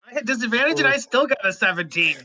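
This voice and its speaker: Lady playing a tabletop game, really bright piercing voice, loud and playful, casual chat. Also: on the high side, lively intonation, fast.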